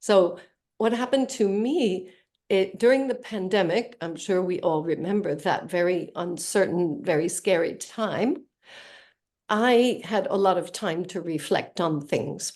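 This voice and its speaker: With an American accent, this speaker talks at a fairly slow pace using lively intonation. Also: woman. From New York, US. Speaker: charity founder and speaker. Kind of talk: webinar talk.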